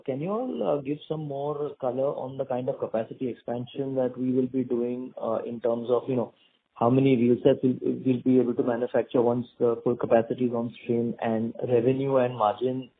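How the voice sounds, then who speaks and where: Husky man on a phone line. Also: mid-range voice, steady tone, normal speed. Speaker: analyst asking questions. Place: conference call by phone. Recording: narrow muffled phone line.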